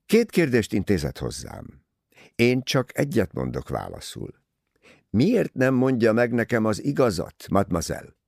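A man voicing a small, courteous Belgian detective in an audiobook, measured, polite and probing. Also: mid-range voice, huge pitch swings, creaky, darkish tone, no room sound, studio quality, voice pushed up, exaggerated voice. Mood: grave, probing.

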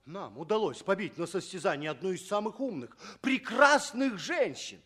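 Anxious loyal servant, really high voice swinging up and down, fretful stagey radio play. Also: male voice, sing-song, normal speed, pushed and bright, heavily acted. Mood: anxious, warning. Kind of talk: theatrical radio play acting.

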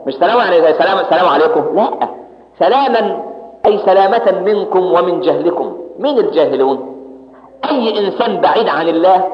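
Brief: older Egyptian preacher, quick, storytelling sermon, dull roomy hall recording. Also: male voice, high voice. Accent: Egyptian Arabic. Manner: lively storytelling, acts out quoted people. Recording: muffled recording in echoey hall.

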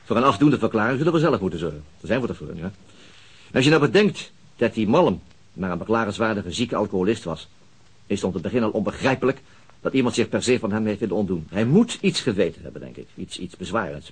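An actor playing an earnest, patient police detective in a radio drama, explaining things in a thoughtful, hesitant way with a husky voice. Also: male voice, fairly low pitch, sing-song, fast. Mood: reasoning. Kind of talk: Dutch radio drama dialogue.

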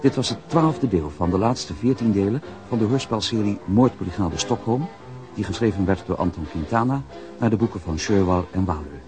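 A man's voice: on the low side, lively intonation, normal speed, over music. A man reading a scripted closing announcement for a radio drama series.

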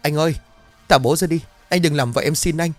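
A man's voice: a little high, a little fast, dry recording, soft background music, voice pushed up, lightly acted. A man voicing a young wife who begs her husband desperately. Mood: pleading. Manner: pleading, raised voice.

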